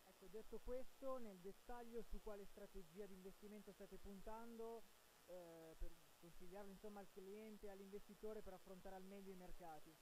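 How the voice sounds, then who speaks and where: A man interviewing a guest at a trade fair, asking brisk, formal questions. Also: high voice, steady tone. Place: trade-fair stand indoors. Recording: audible hiss and background noise.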